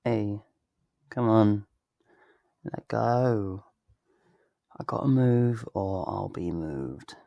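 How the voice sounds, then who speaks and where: A man acts out a wistful, tender best friend in an intimate ASMR roleplay. The voice is low and gravelly, and the words come slowly and earnestly, with soft pauses. It is recorded very dry and close to the mic. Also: no room sound, lo-fi sound, heavily acted. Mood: fond, reassuring. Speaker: ASMR voice actor. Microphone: close studio mic, dry.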